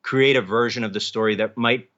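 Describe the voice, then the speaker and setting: A man's voice: medium pitch, fairly even intonation, brisk, a bit bright, highs cut off. A man talking casually as an author being interviewed about his work.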